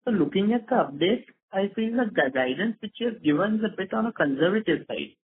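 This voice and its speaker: A man with a distinctly high voice and an Indian accent. He asks business questions as an analyst on a call. The sound is narrow, like a telephone. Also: lively intonation, a little fast, a little hiss or hum. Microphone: telephone conference call. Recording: narrow tinny phone line.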